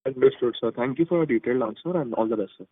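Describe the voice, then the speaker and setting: Male analyst caller, brisk and deferential, dry narrow phone sound. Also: medium pitch, no echo, far from the mic. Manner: polite, deferential. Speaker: caller asking questions, investor or analyst. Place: phone call.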